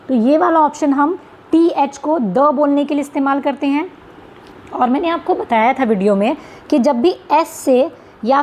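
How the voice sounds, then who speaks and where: High-voiced woman teaching phonetics. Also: darkish tone. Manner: explanatory, repeats "ठीक है" and rhetorical questions; reads English questions slowly. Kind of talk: Hindi exam-prep lesson on English phonetics.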